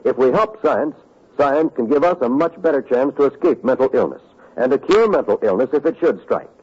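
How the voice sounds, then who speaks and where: A male radio announcer reading an earnest, measured public service appeal. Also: mid-range voice, expressive, slightly rough. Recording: muffled vintage radio recording.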